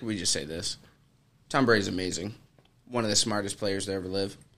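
A man has a plain, everyday voice with a fairly low pitch and fairly even intonation. The recording is very clean, with a silent background. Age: 30s. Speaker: podcast co-host, former military. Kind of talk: casual chat.

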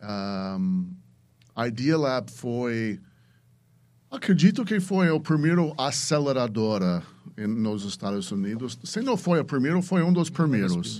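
Very wide pitch swings mark a man's speech in an English accent. He goes at a very slow pace. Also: medium pitch for a man. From US Midwest, Chicago. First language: English (speaking Portuguese). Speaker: venture capitalist. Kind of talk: casual interview chat. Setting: studio. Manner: halting, repeats words.

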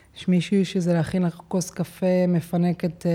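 A woman is speaking. Her tone is dark and mellow. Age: 30s. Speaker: marketing agency owner. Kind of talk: interview.

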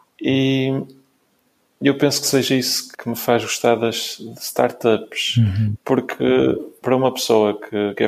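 A man is speaking here. His pace is fairly slow. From Portugal, Porto. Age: 20s. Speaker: startup founder. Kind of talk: interview. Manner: halting, repeats words.

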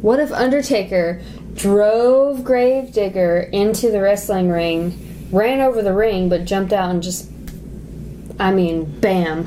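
The speaker has an American accent and a fairly slow pace, with ordinary pitch variation. Noticeable background noise and audible room echo come through. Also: woman, medium pitch for a woman. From Appalachia. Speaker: podcast host. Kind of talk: casual chat.

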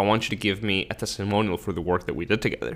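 This man has an unremarkable speaking voice at a fairly low pitch. His pitch varies in an ordinary way. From Colombia, moved to US at twelve. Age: 20s. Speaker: podcast host, online business coach. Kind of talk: solo personal storytelling monologue. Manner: casual with frequent fillers (uh, eh, um).

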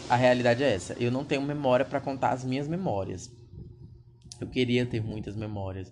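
A man is speaking. His tone is dark and mellow. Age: 20s. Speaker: solo podcaster. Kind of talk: casual monologue. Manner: hesitant, with fillers and repetitions.

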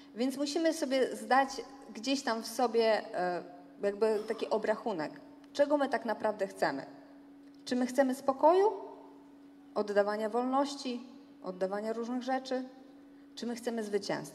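This woman has a high pitch with ordinary pitch variation, and her speech is broken by long, frequent pauses. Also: moderate pace. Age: 40s. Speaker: pastor. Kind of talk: sermon. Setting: church.

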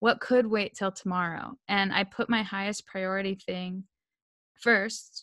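A plain, everyday voice with an American accent, fairly even intonation and a fairly slow pace, in a dry, close sound with no echo. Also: woman. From US, Delaware. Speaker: brain injury survivor, singer and speaker. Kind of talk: interview testimony. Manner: casual, conversational.

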